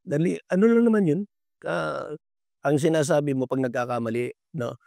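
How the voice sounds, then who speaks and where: An older man, a veteran basketball referee, answering interview questions in a polite, halting way with many pauses. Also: fairly high pitch, expressive, creaky, mellow, dry recording, studio quality.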